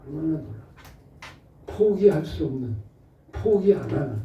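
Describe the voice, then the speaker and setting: A middle-aged male pastor giving an animated Bible study, asking rhetorical questions and acting out short exchanges. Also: fairly high pitch, a little slow, gravelly, a little hiss or hum. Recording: muffled roomy audio from a distant mic.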